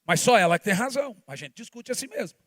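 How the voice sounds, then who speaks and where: A man, preaching a sermon as pastor, shifting between forceful shouts and hushed asides. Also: very high voice, animated, fast, no echo, studio quality.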